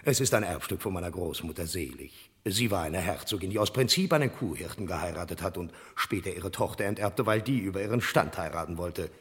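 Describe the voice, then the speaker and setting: An actor playing a boastful street swindler spinning tall tales to sell a watch. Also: male voice, low-pitched, expressive, fairly quick, hardly any pauses, a bit bright, in a large hall. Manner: tall tales, smooth patter.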